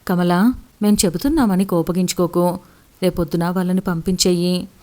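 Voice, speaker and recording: A woman's voice: on the low side, steady tone, normal speed, dark tone, close to an everyday voice. A woman narrator voicing a fed-up female coworker who complains bluntly. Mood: complaining.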